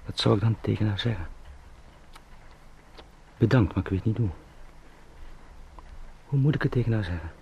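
An actor playing a lonely, brooding salesman turned beetle, musing in short halting sentences in a radio play. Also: on the low side, lively intonation, gravelly, dark tone, highs cut off, slight background noise. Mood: mournful. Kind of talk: introspective radio play monologue.

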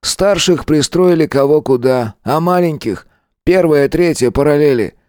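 Weary wartime teacher, earnest and brisk, played by a male reader; voice a bit raised. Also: on the high side, darkish tone, no room sound, clean studio sound, voice pushed up, natural voice.

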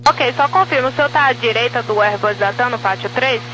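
A woman air traffic controller giving procedural clearances over aviation radio. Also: fairly high pitch, brisk, pushed and bright. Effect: aviation radio transmission. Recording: noisy, humming aviation radio.

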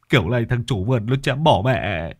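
A man's voice: mid-range voice, a little mellow. A man voicing a reckless, bumbling young servant.

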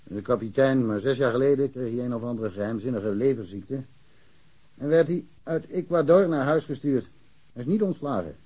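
A man's voice: mid-range voice, animated, moderate pace, dark tone, slightly rough, dull audio. An actor playing a talkative, blunt village policeman who speaks colloquially and with confidence in a naturalistic radio drama. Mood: informative, frank. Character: chatty, blunt village policeman, worldly-wise and sure of himself.

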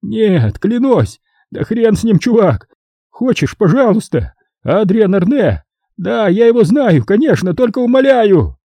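A man's voice: big pitch swings, unhurried, warm tone, dry recording, full character voice. Man putting on a squealing cowardly caretaker. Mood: begging. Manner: shrill panicky pleading. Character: cowardly greasy male building caretaker, squealing. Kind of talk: audiobook character voice.

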